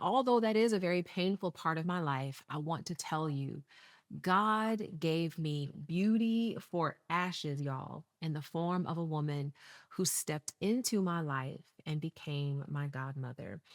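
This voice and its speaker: This woman has an unremarkable speaking voice, fairly low in pitch, with lively intonation at a fairly slow pace. The sound is dry and close, with no echo. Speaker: talk show host. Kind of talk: show introduction to camera.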